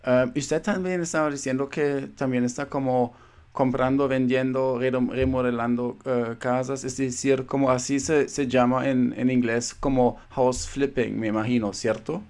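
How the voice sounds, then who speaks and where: Hesitant interviewer man with gravelly voice. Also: medium pitch, level tone, moderate pace, darkish tone. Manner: hesitant, many filler sounds. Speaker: interview host. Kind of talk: interview questions.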